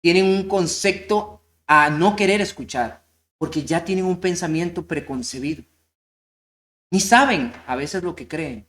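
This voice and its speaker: A man preaching a sermon, telling a story earnestly and slowing down on key points. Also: a little high, fairly bright tone. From Costa Rica. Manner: storytelling, earnest, slows down for emphasis.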